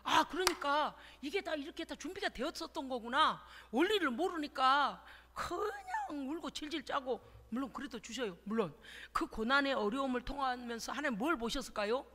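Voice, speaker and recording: A woman pastor preaches with dramatic swings from hushed whispers to shouts. Her high, lively voice is very bright. It rings out in a church hall with a long reverb. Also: moderate pace, few pauses. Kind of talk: emotional sermon with testimony.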